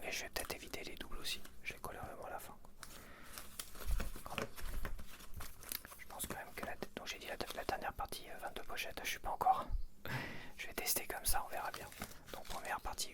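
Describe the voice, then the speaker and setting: A man whispering an ASMR video, thinking aloud casually in short, hesitant phrases. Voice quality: whispered, unvoiced. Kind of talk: ASMR, casual chat while sorting sticker packets.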